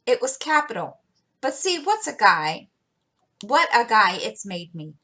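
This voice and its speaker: A woman's voice: a little high, big pitch swings, measured pace, bright, forceful tone, exaggerated voice. A woman reading aloud and voicing a blunt, spirited teenage girl in a storybook. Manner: blunt and fierce.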